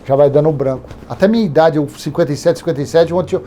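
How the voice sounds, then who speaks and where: A man's voice: a little high, fast talker, dark tone, a little hiss or hum. A Brazilian man in his fifties with a Brazilian accent, teaching an informal Bible study in a rambling, conversational way full of digressions. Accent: Brazilian Portuguese. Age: 50s.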